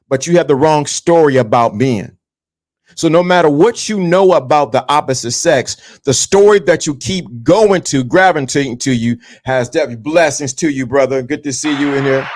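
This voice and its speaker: Man, 50s, stream host, motivational talk, repetitive, preachy. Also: fairly high pitch. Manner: repetitive, preachy, addresses viewers directly. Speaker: livestream host.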